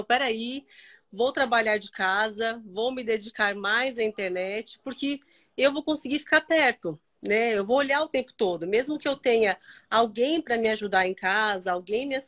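Brazilian woman chatting on a video call from home, kinda high voice, lots of fillers. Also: fairly bright tone. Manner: chatty, storytelling, many fillers. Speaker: guest influencer. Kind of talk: casual live-stream chat. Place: bedroom at home.

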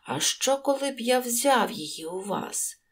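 A woman voicing a quiet, kind male traveller in a storybook, speaking calmly and with few words. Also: medium pitch, moderate pace. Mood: restrained. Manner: calm, restrained, few words.

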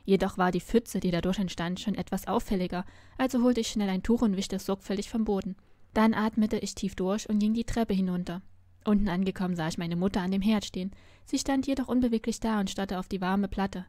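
Woman reading a story aloud, mellow. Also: mid-range voice, brisk, dry recording. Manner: expressive first-person narration. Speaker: story reader.

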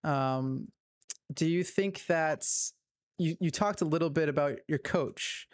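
A young man hosting a podcast, asking interview questions in a relaxed way with fillers. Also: fairly high pitch, slow pace, dry recording, clean studio sound. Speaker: podcast host. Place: home streaming room. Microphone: headphones and studio mic.

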